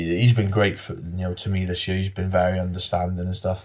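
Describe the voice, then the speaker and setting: The speaker has a Swansea accent and monotone, flat intonation at a fairly quick pace. The recording is very clean, with a silent background. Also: man. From Wales, Swansea. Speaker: bodybuilder. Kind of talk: podcast interview.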